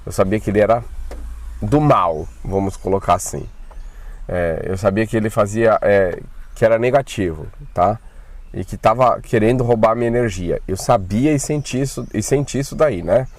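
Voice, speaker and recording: A man casually recounting his own frightening experience, talking in a colloquial, animated way with slang and swearing. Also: fairly low pitch, normal speed. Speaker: channel host telling his own spiritual experiences. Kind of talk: casual first-person storytelling.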